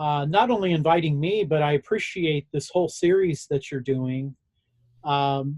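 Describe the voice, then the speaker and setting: A somewhat breathy man at a fairly high pitch, moderate in pace, with ordinary pitch variation. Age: 60s. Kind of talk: interview. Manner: halting.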